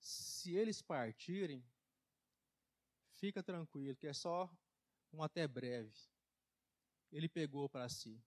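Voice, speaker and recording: A man preaching a folksy testimony sermon in church, emphatic, with loudness and pitch that swing widely. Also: slow pace, long pauses. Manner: folksy, laughs at his own jokes. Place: church service.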